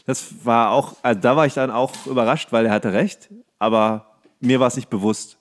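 A man with a medium-pitched voice chats casually as a podcast co-host. He rambles through his points in a jokey style, pitching things with mock seriousness. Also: fairly even intonation, moderate pace. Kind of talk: casual comedic banter.

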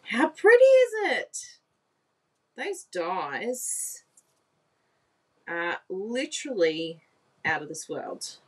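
A papercraft demonstrator chats through a live craft demo at a desk in an indoor craft room, often laughing, exclaiming, and asking viewers if they agree. Her mid-range voice is sing-song and a bit bright with a breathy edge, and she draws out her words and leaves long pauses.

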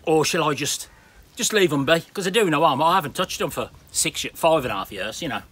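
A man's voice: fairly high pitch, lively intonation, fairly quick, fairly bright tone, slightly rough. A man from the UK chatting bluntly and rambling to a handheld camera outdoors in his garden. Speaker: smallholder vlogger. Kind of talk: casual chat to camera.

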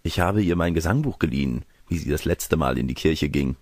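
A man's voice: a bass voice, animated, fairly quick, a little mellow, dry recording, clean studio sound, exaggerated voice. A man voicing a suave, coaxing young cavalier, a sorcerer in disguise, in a storybook reading. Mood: breezy. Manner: smooth-talking, coaxing, gallant.

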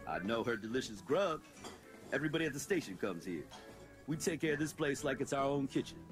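A man's voice: medium pitch, sing-song, brisk, faint music behind, natural voice. A man playing a chatty small-town cop. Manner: friendly, gossipy, preachy. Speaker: police officer.

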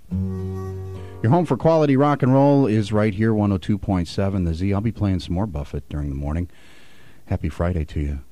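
Male American rock radio DJ, low-pitched and mellow, studio delivery with music underneath. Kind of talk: rock radio DJ patter between songs.

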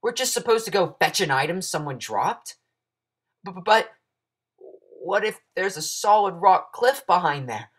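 A man's voice: high voice, very animated, a little slow, a bit bright, heavily acted. Guy doing a timid young hero for a game audition, hesitant and unsure, lots of questioning. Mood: unsure, nervous. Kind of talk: character voice audition.

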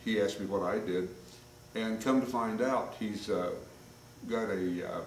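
A man's voice: lowish voice, a little slow. An older man giving a casual, folksy workshop demonstration, talking loosely with plenty of fillers while he works. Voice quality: folksy, rambling with many fillers. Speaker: woodworking instructor. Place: home workshop, indoors. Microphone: camcorder mic at a distance. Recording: roomy workshop sound, distant mic, clear background noise.

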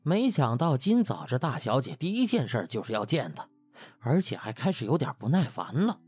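A man's voice: mid-range voice, sing-song, a little fast, a little mellow, slightly rough, no echo, faint music behind. A man narrating a novel as an audiobook, in a scripted storytelling style.

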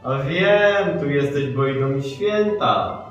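A man's voice: fairly high pitch, expressive, slow pace, highs cut off. A sneering, scheming devil played by a young man in a school nativity play, spitting rhymed taunts. He is heard from a distance in a very echoey hall. Faint music sits behind. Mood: taunting. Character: scheming male devil who spoils Christmas.

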